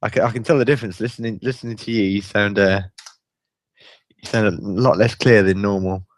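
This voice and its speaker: A man with a croaky, hoarse voice from a chest infection, co-hosting a casual tech podcast. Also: fairly low pitch, fairly even intonation, a little fast. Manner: rambling, restarts, light chuckles. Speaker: podcast co-host.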